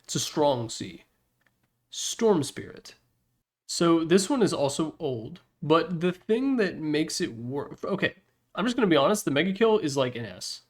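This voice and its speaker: Guy with a kinda higher voice doing casual rambly commentary, blunt opinions, lots of slang. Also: very animated, unhurried. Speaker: host ranking video game announcer packs.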